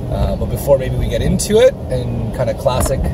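A man speaks over loud background noise. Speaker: show host. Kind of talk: casual interview chat. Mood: cheerful, enthusiastic. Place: car. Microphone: phone near.

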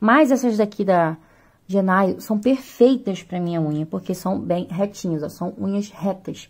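Quiet and somewhat breathy, a woman speaks in a medium pitch at a moderate pace in a very clean recording with a silent background. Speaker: beauty vlogger. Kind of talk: product review tutorial. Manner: speaking a bit quietly; chatty, affectionate diminutives.

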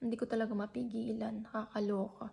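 Here a woman speaks with a dark, mellow tone. Her voice is somewhat breathy. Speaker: vlogger. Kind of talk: angry rant. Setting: vlog, talking to camera. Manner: indignant, worked-up, fuming; rambling, Taglish with fillers.

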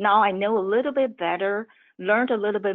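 The background is quiet. A woman speaks with ordinary pitch variation. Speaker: tech startup co-founder and CTO; panelist. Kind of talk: webinar panel discussion. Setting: online webinar. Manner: soft-spoken. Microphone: video call.

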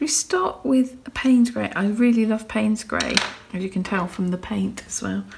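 Light background noise behind a female voice. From British. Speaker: artist. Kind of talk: casual talk to camera while drawing. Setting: quiet room, close microphone. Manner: soft-spoken, relaxed. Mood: relaxed, slightly hesitant.

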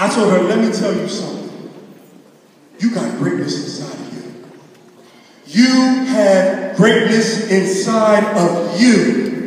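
Strong room echo hangs on this recording. The man speaking uses ordinary pitch variation. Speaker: motivational speaker. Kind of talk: motivational speech. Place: hall. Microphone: camera far.

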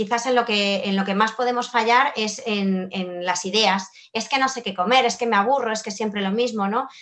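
A woman's unremarkable speaking voice, fairly high in pitch, at a fairly slow pace with fairly even intonation. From Spain (Madrid), born in Argentina. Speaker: nutritionist and teacher. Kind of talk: interview.

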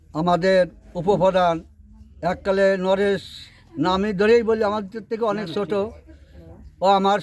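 A man talks in a high register, his intonation fairly even. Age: 70s. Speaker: elderly villager. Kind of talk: interview.

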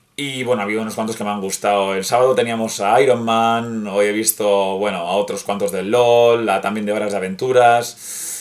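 Monotone and flat in intonation, a man speaks at a fairly low pitch and a fairly quick pace. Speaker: vlogger. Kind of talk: casual vlog chat. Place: home room. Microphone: webcam.

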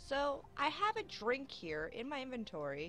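With music playing in the background, a woman speaks at a very slow pace, her pitch swinging very widely. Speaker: gaming video creator. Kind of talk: game tutorial narration. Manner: casual, friendly.

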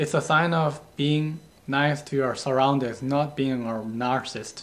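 In a Korean accent, a man speaks at a fairly high pitch and fairly slow pace with ordinary pitch variation. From South Korea. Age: 30s. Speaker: YouTuber. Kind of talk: vlog monologue. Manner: halting with fillers. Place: home room. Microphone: phone near.

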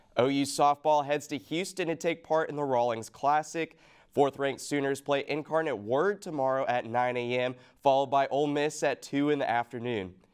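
A man with a plain, everyday voice speaks at a moderate pace and fairly high pitch, with ordinary pitch variation over a quiet background. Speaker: sports reporter. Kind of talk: sports report. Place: studio. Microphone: lapel.

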